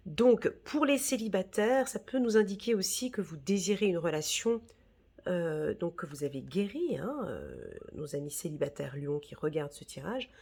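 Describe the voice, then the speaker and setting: A woman's voice: lowish voice, very animated, normal speed, gravelly, warm tone, breathy edge. Chatty woman reading tarot. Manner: chatty, reassuring, many fillers and "d'accord?". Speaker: tarot reader. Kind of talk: casual tarot reading monologue.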